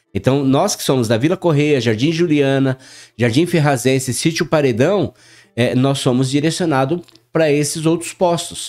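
An unremarkable speaking voice at a moderate pace, with ordinary pitch variation and very even loudness, on a very clean recording with a silent background. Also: man, fairly high pitch for a man. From Brazil, Ferraz de Vasconcelos, greater São Paulo. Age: 40s. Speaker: driver and former city council candidate. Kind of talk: podcast interview. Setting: studio.

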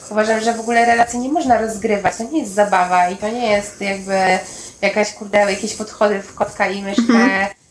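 Very fast female speech at a fairly high pitch, with fairly even intonation, big swings in loudness, and noticeable background noise. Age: 20s. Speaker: podcast host. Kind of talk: casual chat.

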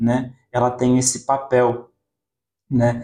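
The man's medium-pitched voice has a dark, mellow tone. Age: 20s. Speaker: Sunday school lesson commentator. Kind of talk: Bible study discussion.

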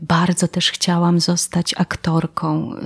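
The woman's pitch is fairly low. She speaks at a very slow pace. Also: dry, close sound with no echo. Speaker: radio documentary reporter. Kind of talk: interview conversation.

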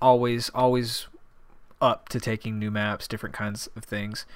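On a very clean recording with a silent background, a man with an American accent has an ordinary speaking voice, medium in pitch and moderate in pace. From Texas. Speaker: video game podcast co-host. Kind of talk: casual chat.

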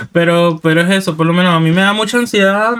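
High-pitched male voice at a fairly quick pace, with ordinary pitch variation. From Venezuela. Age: 20s. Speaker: podcast host, musician. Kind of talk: casual chat.

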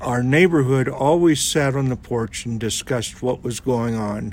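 Speaking fairly slowly with a Midwestern US accent, a man uses a medium pitch and ordinary pitch variation. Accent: US Midwest. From Iowa, US Midwest. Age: 80s. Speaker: missionary parent, guest. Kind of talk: casual interview.

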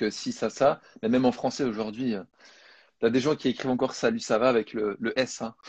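Monotone and flat, a man speaks at a medium pitch. Long, frequent pauses break up his speech. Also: fairly quick pace. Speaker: language coach. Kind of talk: live-stream interview. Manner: halting.

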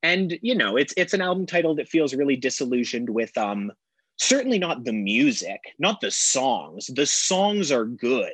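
Speaking at a moderate pace, a man with a Western Canadian accent has a fairly high pitch and very wide pitch swings. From Alberta, Canada (Lethbridge). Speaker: musician. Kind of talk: casual chat. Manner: animated.

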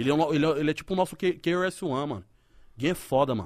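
A man's fairly high voice at a very fast pace, animated and passionate, in a very clean recording with a silent background. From São Paulo periphery, Brazil. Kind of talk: casual chat. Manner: animated, slangy, passionate.

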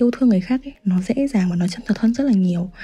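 A woman speaks very fast at a medium pitch, her dark, mellow tone somewhat breathy, with ordinary pitch variation. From northern Vietnam, Hai Phong. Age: 20s. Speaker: university student, podcast guest. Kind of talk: casual interview.

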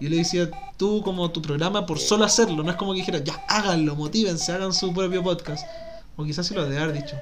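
Through audible room echo and noticeable background noise, a high-pitched man talks at a very fast pace with fairly even intonation. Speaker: podcast host. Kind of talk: casual chat.

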